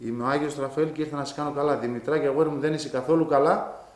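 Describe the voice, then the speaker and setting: A man voicing a gentle but stern old male priest-saint, soft and calm in a fatherly way, in a roomy echo. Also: fairly high pitch, pitched below the performer's own voice, natural voice.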